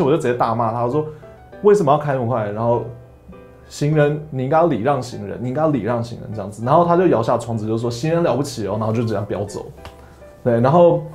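A young man with a Taiwanese Mandarin accent, hosting a casual solo podcast and telling stories animatedly, acting out other people's lines in raised voices. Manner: animated storytelling, acts out quotes with high voices. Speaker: podcast host.

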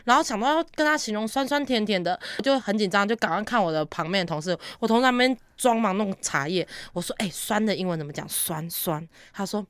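A woman's voice: mid-range voice, fast talker, few pauses, clean tone, no echo. A woman hosting a podcast, telling funny stories in casual chat and laughing often. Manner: animated, laughs often while telling anecdotes. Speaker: podcast host.

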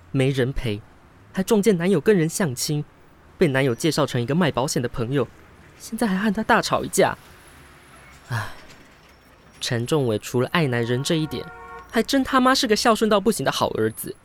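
A man's voice: medium pitch, close to an everyday voice. An actor playing a hurt, weary young gay man in a Mandarin radio drama, with a Taiwanese accent and an emotive delivery. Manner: emotive, sighing, swearing. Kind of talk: radio drama acting with inner monologue. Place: studio.

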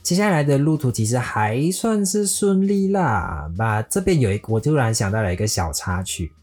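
A man telling a scripted personal story in a lively way, dropping English words into his sentences. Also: medium pitch, moderate pace, breathy edge. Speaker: storyteller recounting a motorbike trip. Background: faint guitar music.

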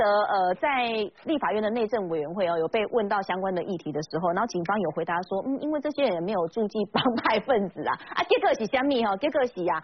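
A woman's voice: mid-range voice, slightly rough. A woman hosting a political talk show, chatty and full of tag questions. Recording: slightly dull broadcast audio.

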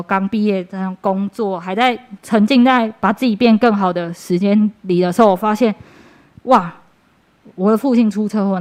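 A young woman with a Taiwanese Mandarin accent shares a personal testimony in church. She talks in an earnest, everyday way, full of fillers and quick restarts, at a middling pitch for a woman. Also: darkish tone. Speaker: church member giving testimony.

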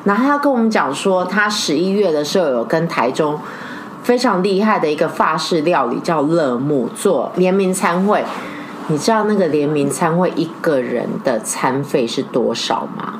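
Woman, Taiwanese accent, casual podcast storytelling, expressive, swooping intonation, faint noise behind. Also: sits low, normal speed, poor audio. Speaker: podcast host. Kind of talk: casual chat, animated storytelling.

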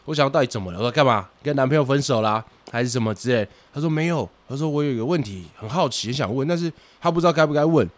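A man with a middle-pitched voice rattles along at a brisk clip, telling coaching anecdotes with a storyteller's flair. He talks casually and drops in the odd swear word for laughs. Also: dry recording. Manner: animated storyteller, swears for comic effect. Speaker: boxing coach. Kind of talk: casual podcast chat.

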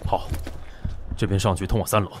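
A man's voice: low voice, steady tone, a little fast, very noisy, lightly acted. An actor with a Taiwanese accent playing a composed, commanding male police squad leader in a radio drama. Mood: commanding, urgent.

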